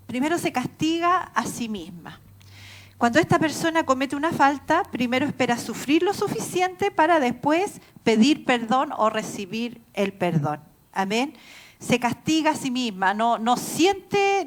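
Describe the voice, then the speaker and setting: A woman pastor with a Chilean accent preaches in a church, her voice sitting high. She tells her stories earnestly and laughs at herself along the way. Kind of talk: sermon.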